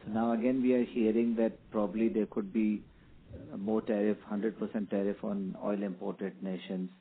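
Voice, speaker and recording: A man asking polite, halting questions as an analyst on an earnings call. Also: lowish voice, little pitch movement, slightly rough. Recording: narrow phone line with faint noise.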